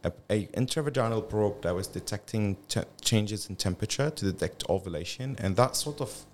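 A man's voice: on the low side, expressive, fairly quick, darkish tone, a little hiss or hum. A middle-aged man from Belgium and Syria, a gynecologist guest on a podcast, speaking with many restarts and fillers. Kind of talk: podcast interview.

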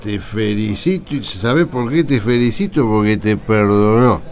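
A man's voice: lowish voice, normal speed, darkish tone, lightly acted. Man acting a wheedling Argentine drunkard. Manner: colloquial, ingratiating. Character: wheedling drunken poor man, over-friendly, cowardly. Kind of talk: radio drama acting.

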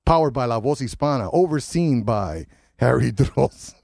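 A man's voice: medium pitch, animated, normal speed, creaky, a little mellow. A radio host with a head cold, sounding nasal, chatting loosely and joking with his studio guests. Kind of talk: casual community radio chat.

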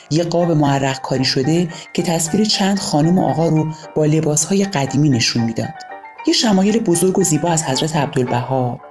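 Low-voiced woman reading a story. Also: darkish tone. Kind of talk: scripted storybook narration.

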